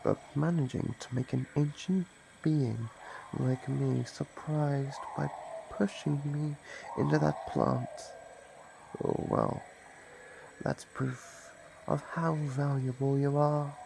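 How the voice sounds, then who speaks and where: A man playing an ancient, predatory monster in an ASMR roleplay, taunting and possessive in a gravelly, theatrical voice. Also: medium pitch, fairly even intonation, slow pace, background noise. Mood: possessive, smug. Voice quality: gravelly, creaky. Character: ancient predatory male monster, menacing, gloating, possessive hunter. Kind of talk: ASMR roleplay, dramatic monologue.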